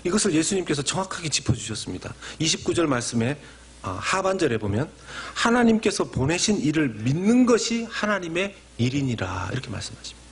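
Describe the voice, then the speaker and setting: A man delivers a Sunday sermon from the pulpit as senior pastor. His voice is breathy and husky, a little higher than most men's, and his pitch swings widely. He acts out small imagined conversations in a softer tone, then surges up in pitch and loudness to press his points. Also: big pitch swings, brisk. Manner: acts out short imagined dialogues in a quieter voice; climbs sharply in pitch and loudness for emphasis.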